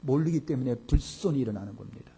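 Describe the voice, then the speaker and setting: A man preaching a Sunday sermon as pastor, emphatic, swinging between loud exclamations and low asides and acting out complaining voices. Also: expressive, quick pace, gravelly, a little hiss or hum. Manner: acts out complaining voices of the congregation.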